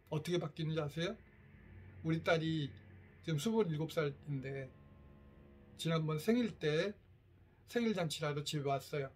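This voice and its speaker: A man in his fifties leading a workshop for parents, telling lively family stories and acting out the lines people said. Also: fairly high pitch, slightly rough. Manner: lively storytelling, acts out quoted family lines. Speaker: teacher giving a parent workshop. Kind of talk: lecture to parents. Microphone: lecture recording, in front of a camera.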